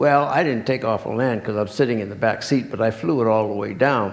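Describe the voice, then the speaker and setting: Background noise is noticeable throughout. A man speaks at a fairly quick pace, his pitch varying in an ordinary way. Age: 80s+. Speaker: war veteran. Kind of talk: storytelling.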